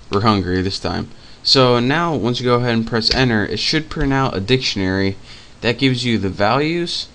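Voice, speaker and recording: A man casually teaching a programming screencast in a loose, chatty way, with fillers and quick self-corrections. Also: lowish voice, a bit bright, slight background noise. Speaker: programming tutor.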